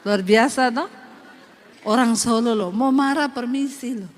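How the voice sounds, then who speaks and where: Woman, Sulawesi accent, pastor, humorous sermon, high pitch, faint background noise. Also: measured pace. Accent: Sulawesi Indonesian. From Sulawesi, Indonesia. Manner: lively, humorous, addresses congregation directly. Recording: long hall reverb, faint noise.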